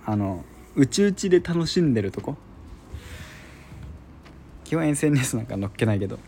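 A man chats alone on his show in a mellow, warm tone, rambling and poking fun at himself with plenty of fillers. His pitch swings up and down lively as he goes. A faint hiss sits under the home recording. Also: moderate pace, creaky. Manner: rambling, self-deprecating, many fillers. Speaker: podcast host. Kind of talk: casual solo chat.

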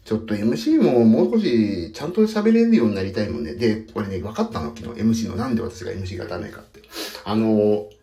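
Sitting in the bathroom with his feet in a foot bath, a pianist and podcaster rambles about his work and tells stories laced with self-mockery. His voice is on the low side and warm, very animated and fast, and the acoustics are echoey.

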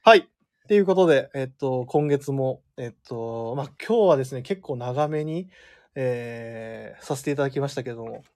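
A man's voice: mid-range voice, darkish tone. A man hosting a live radio show in a studio, chatting casually and joking with a guest. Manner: fast, joking, laughs often. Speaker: radio host.

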